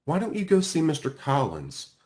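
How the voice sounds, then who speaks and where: A man voicing a caring, attentive woman schoolteacher in a storybook, giving instructions with gentle concern. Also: fairly high pitch, huge pitch swings, moderate pace, pitched above the performer's own voice.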